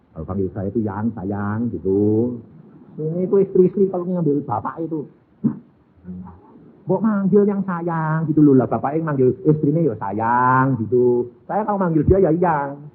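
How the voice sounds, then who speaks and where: A man's voice: a little high, lively intonation, normal speed, slight background noise. A middle-aged man, preaching a sermon as a folksy storyteller who acts out family dialogue. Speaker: pastor. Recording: lo-fi phone-like audio.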